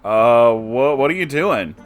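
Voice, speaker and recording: A man's voice: mid-range voice, animated, takes it slowly. Man voicing a flustered, earnest young friend. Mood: flustered, shocked.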